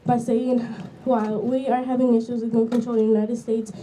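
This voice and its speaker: A woman's voice: on the high side, level tone, brisk, mellow. A young woman student giving an earnest, read rally speech with small slips. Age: young adult. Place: outdoor school campus. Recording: distant mic, faint outdoor noise.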